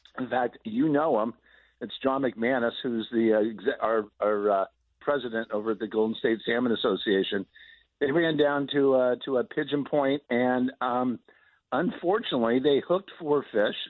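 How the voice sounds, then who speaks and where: The speaker has a plain, everyday voice. The pace is moderate and the pitch variation ordinary. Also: man, medium pitch for a man. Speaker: fishing report guest. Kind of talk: casual interview, fishing report.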